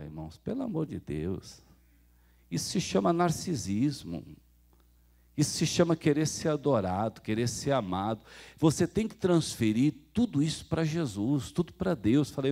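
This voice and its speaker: A man's voice: a little high, vocal fry, mellow, slightly rough. A man preaching a sermon in a Brazilian Portuguese accent, telling stories and acting out the dialogue while speaking straight to the congregation. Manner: storytelling preacher who acts out quoted dialogue; addresses the congregation directly. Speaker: pastor.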